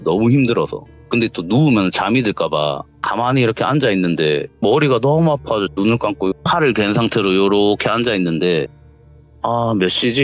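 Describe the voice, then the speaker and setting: A man calling in to tell a true ghost story, animated and acting out the quotes as he goes. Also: on the low side, dull audio. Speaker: caller telling a viewer's story. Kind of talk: telling a true ghost story on a call-in radio show. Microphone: voice call.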